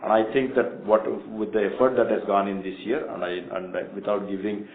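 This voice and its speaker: Low-voiced executive, echoey call. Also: male voice, flat delivery, brisk. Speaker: company executive. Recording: echoey phone line with faint noise.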